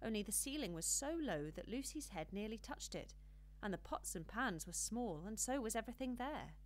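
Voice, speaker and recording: A woman reading a children's storybook as an audiobook narrator, with an expressive, measured storytelling delivery. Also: mid-range voice.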